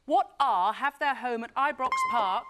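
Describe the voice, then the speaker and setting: A woman's voice: on the high side, measured pace, bright, forceful tone. A woman hosting a game show, reading quiz questions and cheering contestants on in a chatty, exclamatory way.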